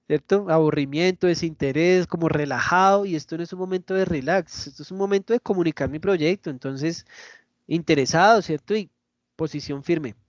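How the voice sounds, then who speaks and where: A man giving an online lecture in a lively, demonstrative way, often checking in with his listeners. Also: fairly high pitch, normal speed, no echo, lo-fi sound.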